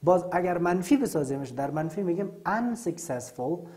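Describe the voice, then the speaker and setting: A woman with an Afghan accent teaching an English vocabulary lesson, saying the English words slowly and clearly, then explaining them more quickly in Dari. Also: fairly low pitch, expressive, warm tone. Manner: switches between slow, drawn-out English and quick Dari explanation.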